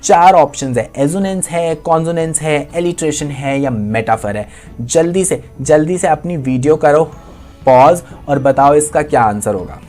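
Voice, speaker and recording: Male online tutor, quiz-style delivery, repeats points, soft music bed. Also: fairly high pitch. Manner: quizzing students, repeats points, frequent check-ins. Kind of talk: exam-prep lesson.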